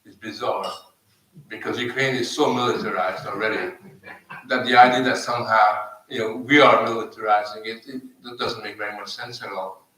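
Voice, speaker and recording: A man from Hungary, arguing as a panelist in deliberate phrases that often restart. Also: on the low side, steady tone, sharp tone. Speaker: panel speaker. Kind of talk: argumentative panel remarks. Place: live panel event in an echoey room. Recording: very echoey room, distant microphone.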